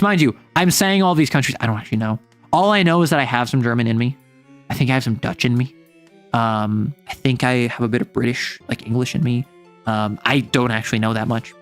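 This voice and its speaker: An American man, a young adult, chatting casually on a livestream in a rambling, self-interrupting, wry way. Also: medium pitch. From United States. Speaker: streamer.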